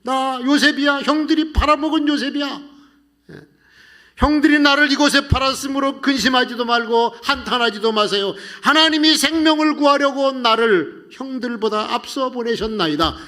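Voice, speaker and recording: A man voicing a grown man who reveals himself to his brothers, speaking loudly and emotionally. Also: very high-pitched, normal speed, voice pushed up. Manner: loud, emotional pleading.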